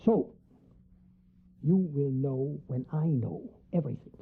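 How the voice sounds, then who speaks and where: Low, husky, commanding professor. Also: female voice, expressive, heavily acted. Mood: urgent, commanding. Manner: deliberate, formal, insistent. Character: grave, commanding professor, a vampire hunter. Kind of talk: radio drama acting. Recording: tinny, narrow band like phone line.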